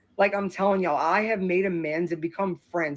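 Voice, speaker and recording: Speaking at a fairly quick pace, the woman has a fairly low pitch and an animated tone. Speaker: livestreamer discussing celebrity gossip. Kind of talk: casual live stream monologue. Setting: live stream.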